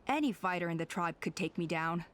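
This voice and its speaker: A woman playing a modest, measured tribal elder. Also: fairly low pitch, lively intonation, close to an everyday voice. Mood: self-deprecating. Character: modest, gracious female tribal elder, former adventurer.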